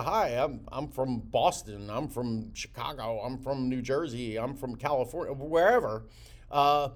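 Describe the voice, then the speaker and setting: A man hosting a real estate coaching show, talking with energy, repeating words and using many fillers. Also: on the high side. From United States. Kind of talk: motivational teaching talk.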